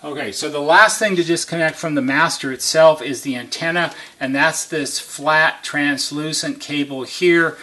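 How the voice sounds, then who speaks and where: A man's voice: medium pitch, a bit bright. A man giving a hands-on how-to demonstration as a repair technician, methodical and step-by-step, stressing key points.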